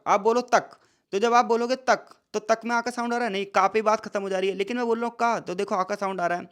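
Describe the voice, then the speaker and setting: A young man with a high, light voice gives a casual lecture. He keeps asking his listeners questions and then answers them himself, in a chatty, friendly way of explaining. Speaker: teacher.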